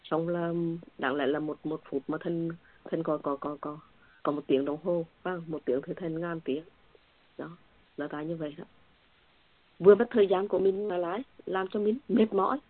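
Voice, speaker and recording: A woman's voice: on the low side, steady tone, normal speed, slightly rough. A woman sharing an earnest, somewhat repetitive faith testimony with fellow believers, heard over a tinny phone-like line. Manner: earnest, repetitive, emotional at times. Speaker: church member sharing testimony.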